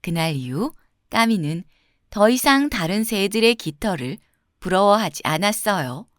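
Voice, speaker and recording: A woman storyteller narrating a children's fairy tale from a script, with expressive, carefully phrased delivery. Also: medium pitch, unhurried, no echo, studio quality.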